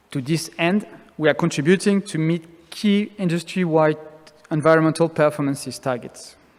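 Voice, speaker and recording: With a French accent, a man speaks at a moderate pace in a fairly high voice, with ordinary pitch variation. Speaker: company executive. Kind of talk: keynote speech. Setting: stage with audience. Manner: hesitant with fillers.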